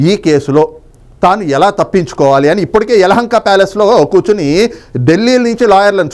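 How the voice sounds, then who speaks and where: A man giving political commentary as an analyst, speaking emphatically in long winding sentences with rhetorical questions. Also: on the high side.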